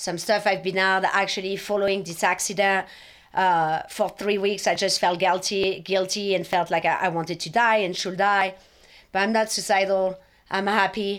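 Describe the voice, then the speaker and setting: In a French accent, a woman speaks at medium pitch and a moderate pace with monotone, flat intonation, on a very clean recording with a silent background. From France, Paris. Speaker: BASE jumper and graphic artist. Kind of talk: interview.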